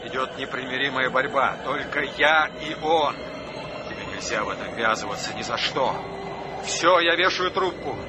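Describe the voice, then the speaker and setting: An actor plays a haunted, stubborn man holding out against a menace in a radio drama. His voice is mid-pitched and his delivery intense and dramatic. Clear noise sits behind him. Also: normal speed, close to an everyday voice. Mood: desperate, resolute. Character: haunted, stubborn man besieged by a living wind.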